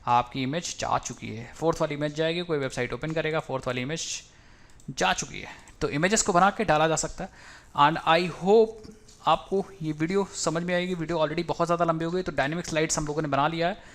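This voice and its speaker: A man's voice: a little high, steady tone, a little fast, a bit bright. A man teaching web coding in a screen-recorded tutorial, talking casually and thinking aloud as he mixes in English technical terms.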